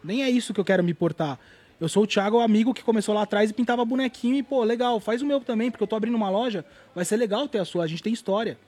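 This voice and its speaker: In a relaxed interview, a guest artist rattles off stories quickly in a high, husky voice. His delivery is lively and full of slang, with offhand swearing sprinkled in.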